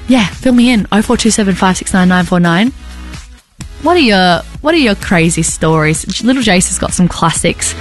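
A husky-voiced young Australian woman hosts an afternoon radio show, chatting in a loose, rambling, upbeat way. She speaks into a studio mic with soft music underneath. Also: mid-range voice, expressive, normal speed. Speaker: radio host. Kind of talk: casual on-air chat.

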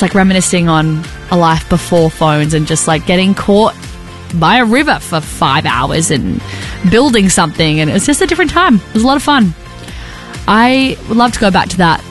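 Husky young Australian radio host woman. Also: fairly low pitch. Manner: chatty, rambling, enthusiastic. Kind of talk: casual on-air chat. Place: radio studio.

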